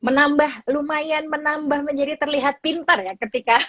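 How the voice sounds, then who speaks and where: A woman's voice: sits high, fairly even intonation, moderate pace, a bit bright, no room sound, dull audio. A woman hosting a casual interview, friendly and affirming, mixing English phrases into her speech. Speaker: interviewer host.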